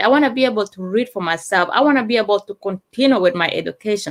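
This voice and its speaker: Speaking very fast with a non-native accent, a woman uses a fairly high pitch. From Uganda. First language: not English. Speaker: community advocate. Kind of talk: interview. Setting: live radio talk show.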